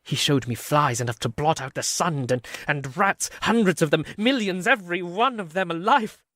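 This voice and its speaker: A man's voice: a little high, animated, moderate pace, pushed and bright, no echo. An actor playing a guilt-ridden, rambling asylum madman in a community radio play, swinging from mutters to frantic cries. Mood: haunted.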